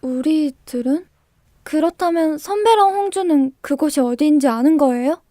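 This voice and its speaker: A woman's voice: high-pitched, moderate pace, dark tone, no room sound, studio quality, natural voice. A woman playing a guarded, earnest young female student in a radio drama, speaking and narrating a little hesitantly. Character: guarded, soft-natured young female student with a hidden past. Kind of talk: radio drama dialogue and first-person narration.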